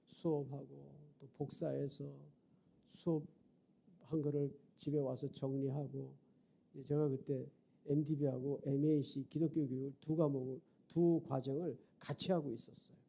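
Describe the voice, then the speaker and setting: A middle-aged man preaching a storytelling sermon, swinging dramatically from hushed to loud. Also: a little high, creaky, husky. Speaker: revival preacher.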